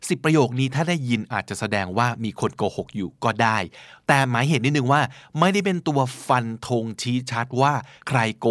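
A man's voice: medium pitch, dry recording, clean studio sound. A man hosting a podcast, explaining words in a casual way and acting out playful examples. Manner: lively, teaching English words with playful acted examples. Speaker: podcast host.

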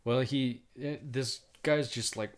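Casual podcast co-host, male, calm, soothing mid-range voice, rambling and profane. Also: mid-range voice, slow pace, clean tone. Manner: rambling, swears often, says "like" a lot. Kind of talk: casual chat.

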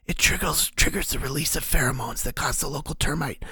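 A man voicing an urgent mentor figure in a breathy whisper, insistent and instructive. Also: a little high, fairly quick, bright, forceful tone, dry recording, pitched above the performer's own voice, heavily acted.

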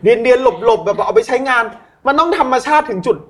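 A man speaking as a guest communication coach, explaining in a lively, demonstrative way and adding polite particles at the ends of his sentences. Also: extremely high pitch, fast. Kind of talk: conversational coaching talk.

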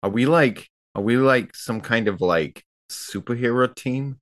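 A man's voice: mid-range voice, measured pace, no echo, studio quality. A man playing a tabletop role-playing game, talking casually in character.

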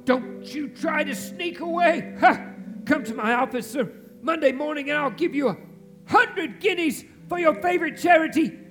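An actor playing a reformed old miser, hearty and exclamatory, in a theatrical radio play recorded live on stage. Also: male voice, very high-pitched, normal speed, fairly bright tone, soft background music. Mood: jovial, bustling. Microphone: shared stage microphone.

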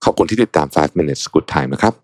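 A young man hosting a podcast, giving relaxed, conversational advice on public speaking with frequent polite particles. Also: extremely low pitch, normal speed, dry recording. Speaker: podcast host. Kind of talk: casual advice talk.

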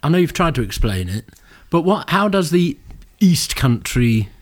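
A man chatting casually as a podcast co-host, playful and quick to laugh. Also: a little high, sing-song. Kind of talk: casual chat.

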